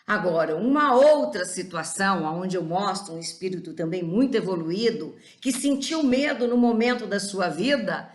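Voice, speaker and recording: A woman teacher giving a class lecture in a relaxed, conversational way with personal asides. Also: mid-range voice, moderate pace, few pauses, roomy sound.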